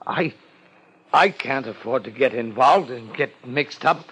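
Husky, stammering, nervous gentleman. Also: mid-range voice, expressive, measured pace. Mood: flustered, indignant. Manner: stammering, formal, hesitant. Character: nervous, evasive, fussy professional gentleman. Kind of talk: 1950s radio drama acting.

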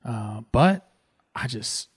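A man in his thirties from Southern California, a former ballplayer and host, telling stories in an excited, casual way. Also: slow pace, breathy edge, no echo, clean studio sound. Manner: excited, animated, talks with fillers like "man" and "boom". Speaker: former ballplayer hosting a show. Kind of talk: casual storytelling.

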